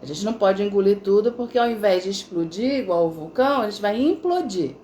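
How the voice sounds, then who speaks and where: Mellow-voiced middle-aged woman chatting. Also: medium pitch, lively intonation, fairly quick, a little hiss or hum. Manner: conversational storytelling, frequent tag questions. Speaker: integrative therapist. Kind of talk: casual live-stream talk with viewers.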